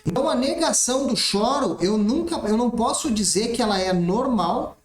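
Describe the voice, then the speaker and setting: A man's voice: very high-pitched, expressive, normal speed, slight background noise. A man teaching an exam-prep math lesson, explaining step by step and checking in often. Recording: roomy echoey room.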